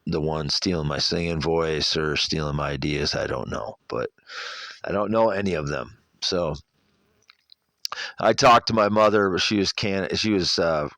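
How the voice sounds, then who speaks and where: A middle-aged man with a Midwestern American accent and a gravelly, allergy-congested voice, rambling through a personal monologue in a halting, repetitive way. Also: sits low, a bit bright, dry recording. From Iowa, United States. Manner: halting, repetitive, self-correcting.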